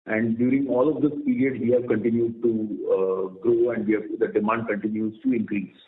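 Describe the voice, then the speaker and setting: A man speaking as a company executive on an earnings call, explaining in a halting way and repeating words. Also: mid-range voice, steady tone. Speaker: company executive answering analysts. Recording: roomy, tinny conference phone line.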